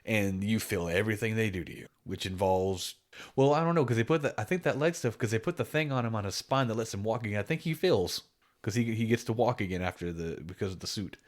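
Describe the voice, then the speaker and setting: A man co-hosting a casual gaming podcast, rambling and animated, often restarting his sentences. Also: on the low side, fast talker. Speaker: podcast co-host.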